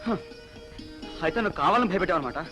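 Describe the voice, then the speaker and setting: A man's voice: high-pitched, expressive, very fast. An actor playing a playful young man who teases his sweetheart in a film scene. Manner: teasing, playful. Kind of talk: 1980s Telugu film dialogue. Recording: film soundtrack with loud music.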